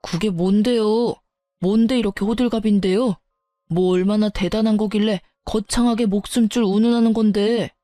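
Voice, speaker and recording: A woman's voice: mid-range voice, fairly even intonation, moderate pace, warm tone, dry recording, faint music behind, natural voice. A woman voicing a whiny, entitled husband. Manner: whiny, dismissive complaining. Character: selfish, entitled adult son and husband. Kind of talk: dramatized story reading.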